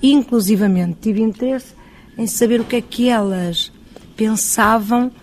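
A woman with a European Portuguese accent speaks as a hotel owner in a news interview. Her voice is a bit high, and she talks chattily, restarting phrases as she thinks aloud and acting out what was said. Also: a little slow, darkish tone, slight background noise.

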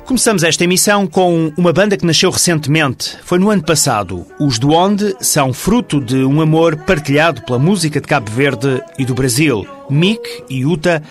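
A man's voice: fairly high pitch, lively intonation, normal speed. A man reading a scripted magazine-programme narration as presenter. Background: music.

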